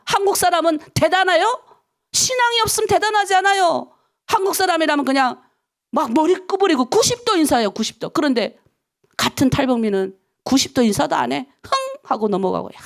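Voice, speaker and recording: Woman pastor from North Korea, middle-aged, animated dawn sermon, high and swooping, presses listeners with questions. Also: gravelly. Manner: lively, emphatic, talks to the congregation with rhetorical questions.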